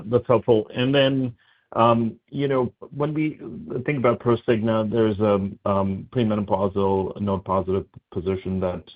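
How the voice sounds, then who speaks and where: A man asking questions as a financial analyst on an earnings call, halting and hesitant in his phrasing. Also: on the low side. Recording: tinny phone line.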